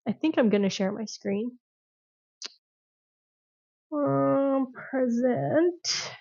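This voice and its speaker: A woman's voice: high voice, animated, extremely slow, vocal fry, mellow. A woman hosting a group video call, talking loosely with many fillers and restarts. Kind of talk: casual group chat. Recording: dull lo-fi call audio.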